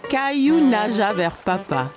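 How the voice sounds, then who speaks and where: A woman narrating a French-language preschool cartoon as a gentle storyteller, reading scripted story lines. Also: mid-range voice, very animated, slow, music in the background. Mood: storytelling.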